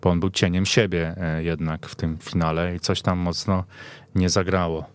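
A man's voice: deep voice, little pitch movement, moderate pace, clear, resonant tone, dry recording. A man chatting casually and emphatically about football as a guest on a studio show. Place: radio studio.

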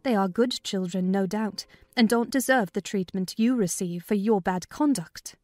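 A woman's voice: mid-range voice, normal speed, a little mellow, dry recording, natural voice. Woman acting a scolding, anxious housekeeper. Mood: reproving. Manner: reproving, urgent. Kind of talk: dramatized audiobook dialogue.

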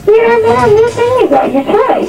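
A woman making a casual, halting call to a radio show. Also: very high-pitched, sing-song, vocal fry, loud music behind the voice, poor audio. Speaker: radio phone-in caller. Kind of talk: hesitant casual phone chat.

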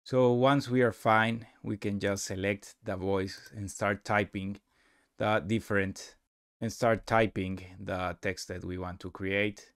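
A man narrating a casual software tutorial as a demonstrator, with halting, non-native English phrasing. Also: fairly low pitch, steady tone, clean tone, no echo, studio quality.

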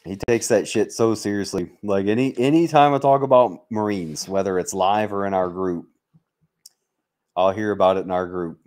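A man's voice: fairly low pitch, moderate pace, a little mellow. An American man from Mississippi chatting casually to livestream viewers, blunt and sweary, in a joking, bantering way. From Mississippi, United States. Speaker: livestream host, military veteran.

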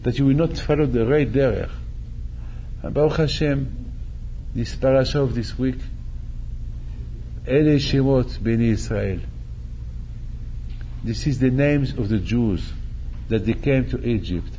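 An older rabbi preaches slowly in a dark, mellow voice, often repeating himself and acting out little dialogues. The sound is a bit dull, with a faint hum behind it. He speaks into a stand mic in a synagogue hall. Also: mid-range voice. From Morocco. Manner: animated, gesturing, repeats phrases and acts out quotes. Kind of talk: sermon. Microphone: stand mic at chest.

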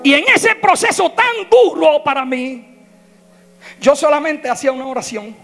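A male pastor preaching an impassioned sermon, swinging from shouted lines to hushed, tearful tones. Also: extremely high pitch, normal speed, gravelly, over music.

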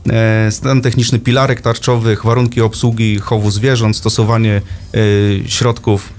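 A man's voice: fairly low pitch, little pitch movement, moderate pace. A man taking part as a guest in a radio interview, listing points hesitantly with many fillers. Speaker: guest official. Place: radio studio.

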